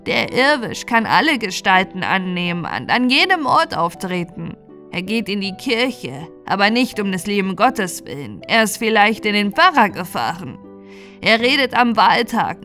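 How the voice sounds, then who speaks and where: A woman's voice: medium pitch, sing-song, a little slow, fairly bright tone, soft background music. A woman voicing a talkative, bossy old moor witch in a fairy tale, insistent and lecturing. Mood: urgent, chattering.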